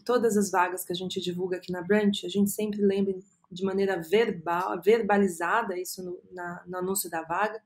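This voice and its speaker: A woman in her thirties with a Brazilian Portuguese accent, a podcast guest telling her career story earnestly and often filling pauses with "é". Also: mid-range voice, darkish tone. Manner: earnest, storytelling, frequent "é" fillers. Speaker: guest, agency co-founder. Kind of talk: reflective podcast interview.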